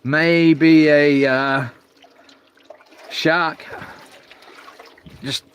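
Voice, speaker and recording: A man's voice: fairly high pitch, fairly even intonation, very slow, a bit bright, clear, resonant tone. Broad Kiwi man, laid-back and slangy. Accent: New Zealand. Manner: laid-back, slangy, talking to himself and viewers. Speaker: fishing livestreamer. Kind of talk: casual rambling livestream chat. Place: outdoors on a small boat on the water. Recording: noisy outdoor boat recording, water and clicks.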